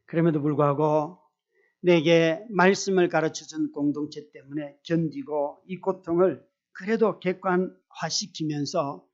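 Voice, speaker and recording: A middle-aged male pastor preaching a sermon with personal testimony, telling it in an animated way, acting out his own prayers and putting questions to the congregation. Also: on the high side. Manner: animated storyteller, acts out quoted prayers, asks the congregation questions. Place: church service. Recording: dull lo-fi recording.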